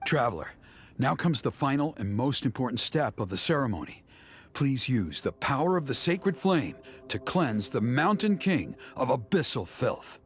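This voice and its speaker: An actor playing a stern, zealous old tribal elder in a video game, with formal, commanding, theatrical delivery. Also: male voice, medium pitch, big pitch swings, moderate pace, lightly acted. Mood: solemn.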